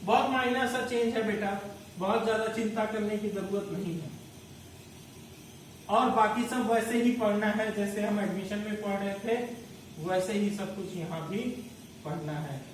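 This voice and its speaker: A man's voice: high-pitched, measured pace. A man teaching an accounting lecture, explaining step by step and calling his students "beta". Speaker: commerce teacher. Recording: very echoey room, distant mic, faint noise.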